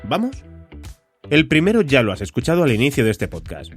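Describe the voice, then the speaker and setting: Spanish man podcasting, animated intonation. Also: mid-range voice, brisk, husky, faint music behind. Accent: Spain. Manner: direct address to listener with rhetorical questions. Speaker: podcast host. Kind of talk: conversational solo podcast monologue.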